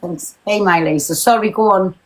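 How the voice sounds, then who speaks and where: A woman's voice: mid-range voice, over a noisy crowd, low-quality recording. A British woman ranting bluntly and swearing as she talks live to her viewers. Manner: blunt, sweary, fast-talking and confrontational. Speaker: TikTok live streamer. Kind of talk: ranting live stream chat.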